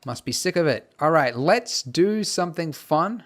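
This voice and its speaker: A man teaching a casual software tutorial over his screen, chatty and full of fillers and asides. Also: fairly high pitch, expressive, moderate pace. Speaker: tutorial instructor.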